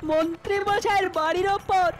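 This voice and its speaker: A woman's voice: very high-pitched, fairly even intonation, a little fast, soft background music. A woman voicing an eager young village boy in a cartoon, chirpy and keen. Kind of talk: cartoon voice acting.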